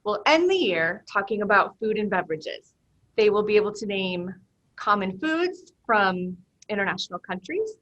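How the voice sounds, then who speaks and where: A woman's voice: medium pitch, very animated, normal speed, fairly bright tone, dull audio. A woman from the Midwest who teaches language, walking parents through the seventh grade year in an organized way. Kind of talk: back-to-school night presentation.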